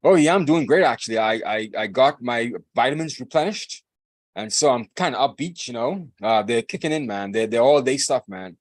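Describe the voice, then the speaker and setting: A man in his forties talks fast, hosting a podcast with a rambling, excitable energy. He repeats himself, laughs a lot and never slows down. His voice sounds close and dry, with no room around it. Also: medium pitch, dry recording. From Bahamas. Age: 40s. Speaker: podcast host. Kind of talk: casual chat.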